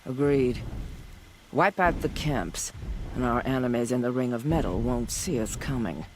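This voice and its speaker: A performer voicing a grave, commanding tribal war chief in a video game cutscene, solemn and measured. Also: male voice, medium pitch, noisy background, close to an everyday voice.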